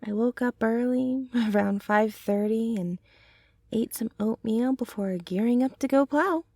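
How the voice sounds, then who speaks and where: A woman voicing a gentle, teasing centaur girlfriend in a soothing ASMR roleplay, with breathy murmurs and soft sighs. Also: a little high, unhurried, no echo. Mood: cheerful, chatty. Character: gentle, caring, teasing female centaur girlfriend, hardworking farmer.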